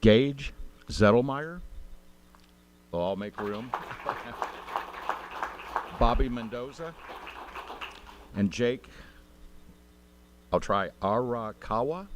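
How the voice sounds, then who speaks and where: A man, the mayor, reading a formal proclamation in a measured way at a city council meeting. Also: medium pitch, a little hiss or hum.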